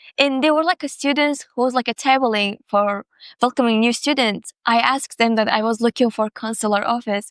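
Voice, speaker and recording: A Turkmen accent with ordinary pitch variation, in a very clean recording with a silent background and a dry, close sound with no echo. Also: woman, fairly high pitch for a woman, fairly quick pace, very even loudness. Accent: Turkmen accent in English, improved. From Turkmenistan. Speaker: former community college student. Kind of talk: interview. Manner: halting, non-native grammar.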